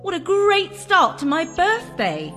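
A man voicing an excitable, pleading sixteen-year-old girl in a children's storybook. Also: very high voice, measured pace, faint music behind, voice pushed up, heavily acted. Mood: delighted.

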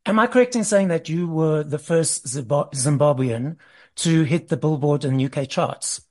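A man's voice: fairly high pitch, normal speed, a little mellow. A man hosting an entertainment interview show, reading a scripted intro and asking questions in an upbeat presenter manner. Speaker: interview host.

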